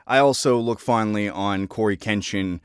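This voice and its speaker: A man's voice: lowish voice, normal speed, clear, resonant tone, dry recording, studio quality. A man talking casually to viewers as a voice actor, presenting favorite characters.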